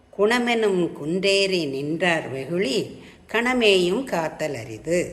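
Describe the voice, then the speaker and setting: A woman's fairly low voice with very wide pitch swings, audible room echo and noticeable background noise. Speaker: Tamil teacher. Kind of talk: reading aloud. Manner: clear.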